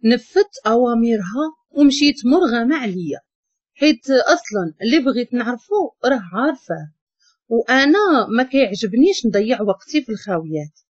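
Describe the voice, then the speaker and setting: A woman's voice: a little high, dry recording. Chatty Moroccan woman telling a story. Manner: chatty, humorous asides. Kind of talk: first-person storytelling narration. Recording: dull lo-fi recording.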